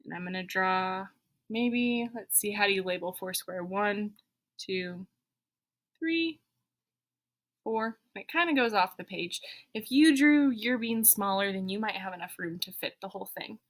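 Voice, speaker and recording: A woman's voice: medium pitch, measured pace. A woman, a schoolteacher, leading children through a step-by-step drawing lesson with simple, encouraging instructions, thinking aloud as she goes. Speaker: elementary school teacher.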